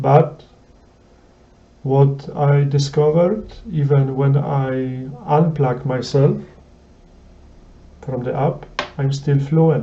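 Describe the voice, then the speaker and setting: In a room with audible echo, a man with a fairly high pitch and fairly even intonation speaks at a very slow pace, with long, frequent pauses. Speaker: app developer and stutterer. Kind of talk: video monologue. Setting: at home alone.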